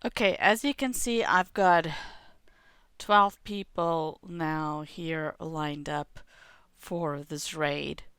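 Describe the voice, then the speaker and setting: A woman in her thirties walks through game settings step by step, her voice low and gravelly from a cough. She talks into a headset mic at home, and the sound is close and dry, with the odd throat clear. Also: takes it slowly, no room sound. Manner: steady step-by-step explaining, clears throat now and then. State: has a cough. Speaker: game tutorial host. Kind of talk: screen-recorded game tutorial. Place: home room.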